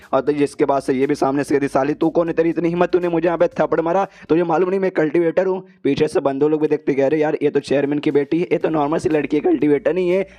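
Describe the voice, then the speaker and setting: A man's voice: fairly high pitch, mellow. A young man narrating a comic recap in a casual, slangy storytelling style, voicing the characters' lines in his own voice. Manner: rapid, slangy, voices characters' insults in plain voice.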